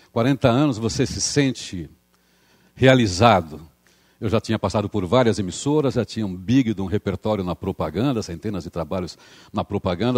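A man speaks at a moderate pace in a fairly low pitch with ordinary pitch variation, in a normal speaking voice. The recording is very clean and dry, close with no echo, over a silent background. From Brazil, São Paulo east zone. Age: 60s. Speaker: broadcaster. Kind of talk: inspirational talk to an audience.

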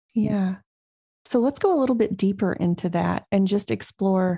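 Her voice somewhat breathy with a dark, mellow tone, a woman speaks at a medium pitch with ordinary pitch variation in a dry, close sound with no echo. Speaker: podcast host and trauma-informed coach. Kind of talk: interview.

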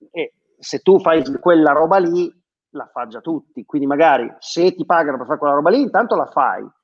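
A man talks fairly quickly with a fairly high pitch, ordinary pitch variation and big swings in loudness. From Italy, countryside. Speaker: basketball photographer. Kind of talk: interview conversation. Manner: halting.

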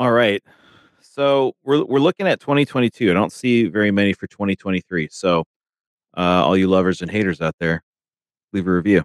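Using lively intonation, a man with a fairly low voice speaks at a moderate pace with long, frequent pauses, the sound dry and close with no echo. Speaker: podcast co-host. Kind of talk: casual chat.

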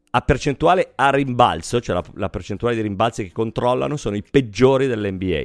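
A husky male voice at a fairly quick pace, dry and close with no echo, on a very clean recording with a silent background. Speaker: sports podcast host. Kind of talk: casual chat about basketball. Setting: live stream.

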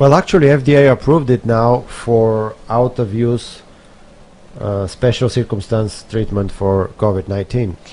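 Speaking at a fairly slow pace, a man uses a dark, mellow tone at a medium pitch with ordinary pitch variation. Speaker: co-host, physician. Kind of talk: radio co-host discussing medical information.

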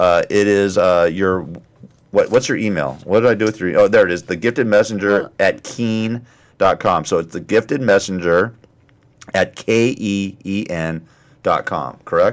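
A man speaks in a plain, everyday voice at a fairly low pitch and a moderate pace. His pitch varies in an ordinary way, and the recording is very clean with a silent background. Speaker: radio host. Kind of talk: radio interview, casual chat. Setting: studio.

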